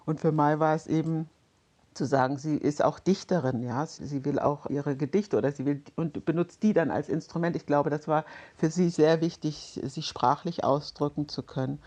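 Reflective lower-voiced woman guest. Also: warm tone. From Germany. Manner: reflective, hesitant with fillers, quick light laughs. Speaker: interview guest. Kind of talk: reflective conversational interview.

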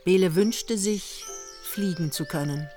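A woman reading literary narration for a radio play in a measured, matter-of-fact way. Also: lowish voice, mellow, faint music behind, lightly acted. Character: composed female storyteller narrating a young East Berlin couple's honeymoon.

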